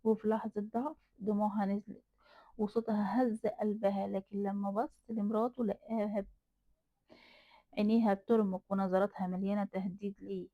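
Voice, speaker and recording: A woman's voice: mid-range voice, no echo. A woman with an Egyptian accent narrating a horror folk tale dramatically, repeating phrases for emphasis. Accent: Egyptian Arabic. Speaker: storyteller. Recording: dry tinny phone-like sound.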